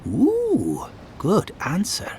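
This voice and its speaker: A fussy, condescending male scholar in a video game. He is pompous and sardonic, his intonation extremely animated, with faint noise behind him. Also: high-pitched, drawn-out words, gravelly, full character voice. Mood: eager, prying. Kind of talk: video game character dialogue.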